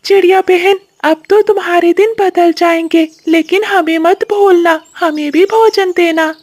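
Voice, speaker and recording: Woman doing a squeaky chatty parrot. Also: unhurried. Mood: friendly. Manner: excited, squeaky. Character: friendly chatty male parrot.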